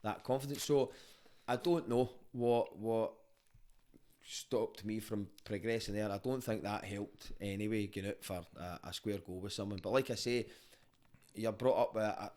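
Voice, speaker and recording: A man's voice: lowish voice, steady tone, moderate pace, darkish tone. Candid Glaswegian man with a street accent. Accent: Glaswegian street Scottish. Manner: candid, sweary, conversational. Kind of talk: casual podcast chat and storytelling.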